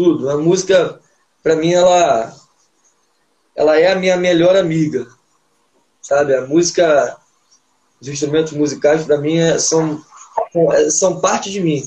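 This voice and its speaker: Long, frequent pauses break up this man's speech. His pitch is fairly high, his intonation fairly even and his pace fairly slow. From Nilópolis, Rio de Janeiro state, Brazil. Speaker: samba singer and composer. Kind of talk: casual interview.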